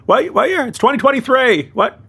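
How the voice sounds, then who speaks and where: Guy doing a cranky old man voice, gravelly and high, grumbly. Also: expressive, a little fast, pushed and bright, heavily acted. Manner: grumbling impression. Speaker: podcast panelist. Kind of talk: comic impression.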